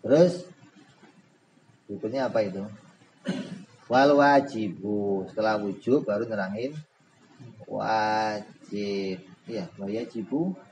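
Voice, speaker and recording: A slow-paced man leads a religious book study in an unhurried way. He teaches in a relaxed, humorous manner and poses questions to his listeners. His voice sits at a middling pitch, with faint room noise behind it. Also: muffled recording. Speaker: Islamic boarding school teacher.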